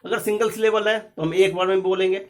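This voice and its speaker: A man's voice: sits high, fairly even intonation. A man teaching a spoken English lesson, explaining each point in English and then repeating it in Hindi. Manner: slow, deliberate English examples.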